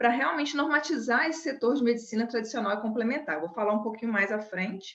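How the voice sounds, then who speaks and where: A woman talks at a fairly high pitch, her pitch variation ordinary. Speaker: pharmacist, acupuncturist and lecturer. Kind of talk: lecture. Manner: fast.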